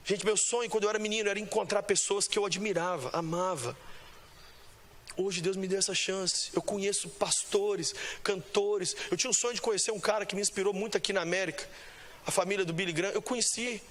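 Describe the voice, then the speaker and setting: Brazilian preacher, middle-aged man, very high, sharp bright voice, lively storyteller who mimics voices. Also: a little fast. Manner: storytelling with big swings in pitch, mimicking voices. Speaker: pastor. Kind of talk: sermon.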